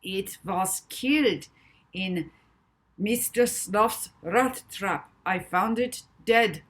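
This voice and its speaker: A woman reading the part of a hypnotized, scruffy grown man who answers in a flat, obedient, plaintive way. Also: medium pitch, drawn-out words, pitched above the performer's own voice. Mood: meek. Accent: German, put on.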